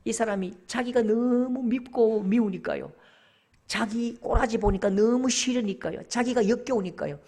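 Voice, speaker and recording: A middle-aged man, preaching a sermon as pastor and acting out dialogue with voices that shift between soft and loud. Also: very high-pitched, moderate pace.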